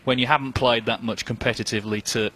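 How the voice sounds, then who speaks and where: Bright-voiced man commentating on snooker. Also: medium pitch, steady tone, quick pace. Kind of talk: live sports commentary. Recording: crowd ambience and noise behind. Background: snooker arena crowd and ambience.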